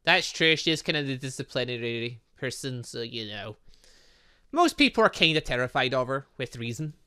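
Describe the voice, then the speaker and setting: Gamer host, male, bright and sharp, chatty, rambling jokey asides, let's-play style. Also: mid-range voice, big pitch swings, normal speed, clean tone. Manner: chatty, joking asides while reading a visual novel. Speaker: gaming channel host. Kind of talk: casual let's-play commentary.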